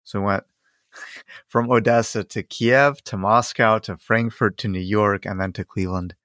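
A man in his thirties, raised in Ohio after an early childhood in Ukraine, talking thoughtfully as a podcast guest and often trailing off softly. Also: on the low side, steady tone, a little slow, no room sound, studio quality. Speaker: guest, circus performer. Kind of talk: casual interview chat.

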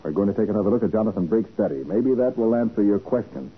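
An actor playing a shrewd, commanding American private detective in a 1940s radio drama, methodical and deliberate. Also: male voice, lowish voice, expressive, narrow, tinny audio, faint music behind, close to an everyday voice. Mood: assured, deducing. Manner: assured, deliberate, interrogating. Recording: scratchy band-limited 1940s radio recording.

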